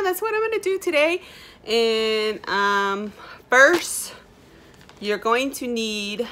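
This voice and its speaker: A young adult woman with a Native American reservation accent vlogs from a small indoor room, her medium-pitched voice pushed and bright. She talks in a casual, informal, rambling way.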